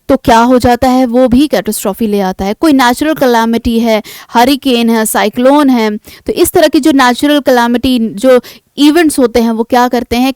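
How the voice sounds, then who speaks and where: Indian woman teacher, high and crisp voice, reads English definitions slowly, lecture style. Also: no room sound. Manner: asks questions then answers them herself. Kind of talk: classroom lecture.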